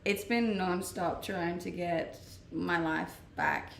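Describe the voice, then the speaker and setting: Her voice lowish, a bit bright and gravelly with fry, a chatty Danish woman in her twenties talks slowly with fairly even intonation to her stream viewers, reading comments and often laughing. She's far from the mic in an echoey room with a faint hiss underneath.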